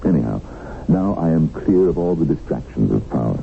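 An actor playing a middle-aged kidnapped tycoon in a radio drama, worldly and defiant, with a sardonic, reflective manner. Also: male voice, rumbling low, animated, brisk, creaky, soft background music, exaggerated voice. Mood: weary, reflective. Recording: narrow-band, noisy old radio broadcast.

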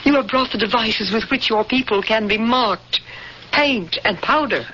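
A woman's voice: on the high side, normal speed, pushed and bright. An actress playing a female interrogator and secret rebel in a radio drama, solemn, insistent and declamatory about her prophecy. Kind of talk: 1970s radio drama acting. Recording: dull, noisy old radio broadcast.

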